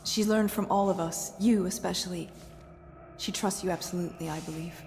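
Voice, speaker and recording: An actress playing an earnest, caring governess who speaks carefully. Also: female voice, on the low side, steady tone, fairly quick, a little mellow, in a large hall, a little hiss or hum, lightly acted.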